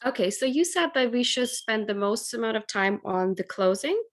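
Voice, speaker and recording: A woman's voice: fairly high pitch, expressive, moderate pace. A woman taking part in a training call who asks a question in a hesitant way. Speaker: training participant.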